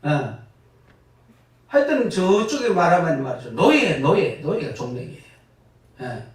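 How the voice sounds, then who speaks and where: A retired pastor, preaching a lively sermon full of laughing asides and sudden loud bursts. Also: male voice, a little high, measured pace. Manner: animated, laughing storytelling with sudden loud rises. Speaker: guest pastor. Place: church sanctuary. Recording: echoey church from far off.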